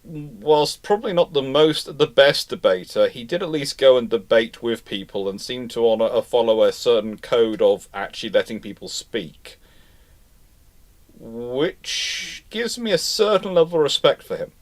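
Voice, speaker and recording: A man's voice: mid-range voice, animated, normal speed. A man hosting a casual live panel discussion, explaining things and rephrasing as he goes. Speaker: live stream host answering naval history questions.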